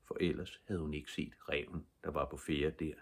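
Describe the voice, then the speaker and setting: An older man reading a children's book aloud as a calm, measured bedtime story. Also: a bass voice. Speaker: audiobook reader.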